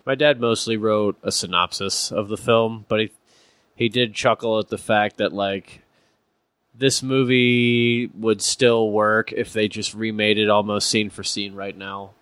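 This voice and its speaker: A man with a fairly low voice co-hosts a casual podcast chat and teases his friends with deadpan questions. The sound is close and dry. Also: unhurried, smooth, no echo. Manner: joking, teasing. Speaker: podcast co-host.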